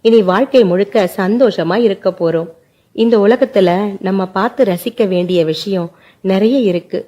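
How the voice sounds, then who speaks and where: A remorseful young lover pleads through tears in a spoken family story, as a woman narrator puts him on. The tone is mellow and warm, and the voice sits at a moderate pitch. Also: normal speed, natural voice. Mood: comforting. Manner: pleading, sobbing delivery.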